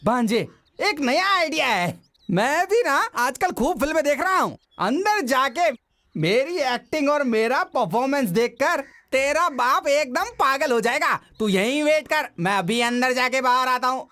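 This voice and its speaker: Comic drama: male actor as brash freeloading uncle, high voice, boastful, wheedling schemer. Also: animated, unhurried, pushed and bright, exaggerated voice. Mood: scheming, eager. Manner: wheedling, bragging, self-excusing. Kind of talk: acted comic village drama.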